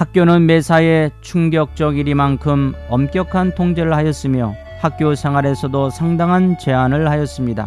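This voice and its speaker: Over music in the background, a man speaks at a fairly slow pace with a fairly high pitch. His loudness stays very even, his pitch varies in an ordinary way, and he leaves hardly any pauses. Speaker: pastor and radio columnist. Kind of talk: radio sermon column narration.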